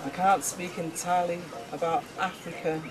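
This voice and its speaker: A woman's voice: fairly low pitch, fairly even intonation, normal speed. Earnest woman, noisy studio. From England. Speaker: guest. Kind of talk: casual studio talk show chat.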